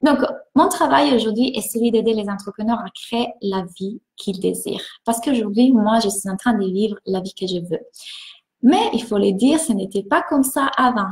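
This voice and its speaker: An enthusiastic woman with an Italian accent coaches and greets viewers on a live stream. Her voice sits fairly high, and the room around her echoes. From Italy. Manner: enthusiastic, warm greetings, repeats words.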